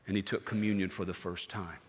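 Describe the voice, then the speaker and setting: A male pastor telling a story in a sermon, dramatic and moving from hushed to loud. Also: low voice, fairly even intonation, brisk, in a large hall.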